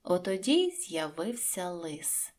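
Expressive woman reading a fairy tale. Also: fairly low pitch, takes it slowly. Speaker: audiobook narrator. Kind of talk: fairy-tale audiobook narration.

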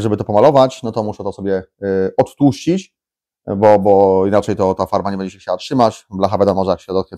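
A man's voice: sits low, dark tone. Guy in his 30s vlogging a diy job in his garage, lots of um and restarts, camera mic. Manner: chatty, many fillers and restarts. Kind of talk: casual how-to vlog talk. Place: small indoor garage workshop.

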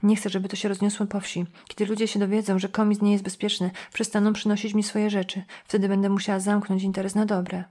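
Woman reading a frightened older mother, quiet. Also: medium pitch, little pitch movement, fast talker, hardly any pauses, natural voice. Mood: shaken. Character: frightened, worn-out older mother, pawnshop owner.

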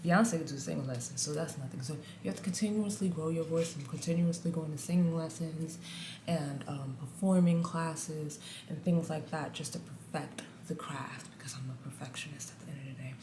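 Deep-voiced woman vlogging in an echoey room. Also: normal speed. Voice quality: deep contralto voice. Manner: candid, animated, says guys a lot. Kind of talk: casual motivational talk to camera. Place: small room indoors. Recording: echoey room, faint ambient noise.

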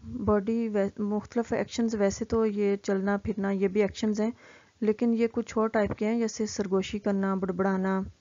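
A woman teaching vocabulary, explaining each word and reading the example sentences out very slowly and deliberately. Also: mid-range voice, flat delivery, mellow, muffled recording.

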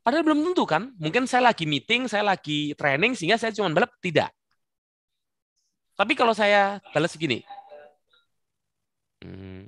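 A man leading an online work-habits workshop, coaxing participants by name in a lively, teasing way over a video call. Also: sits high, moderate pace, long pauses, dry recording. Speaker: webinar trainer. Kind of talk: interactive online workshop talk.

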